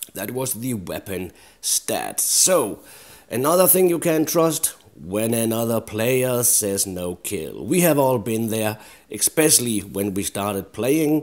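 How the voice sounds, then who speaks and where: Using very wide pitch swings at a medium pitch, a man with a Danish accent speaks at a fairly slow pace. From Denmark. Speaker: gaming YouTuber. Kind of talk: game commentary.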